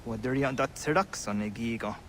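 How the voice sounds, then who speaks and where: An actor playing an agitated younger Native American villager in a video game cutscene. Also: male voice, mid-range voice, fairly quick, noisy background, lightly acted. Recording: music behind the dialogue.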